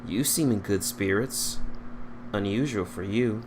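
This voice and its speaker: A man's voice: fairly low pitch, unhurried, noisy background, lightly acted. A man voicing a blunt, teasing female space bounty hunter in a storybook reading, matter-of-fact in manner.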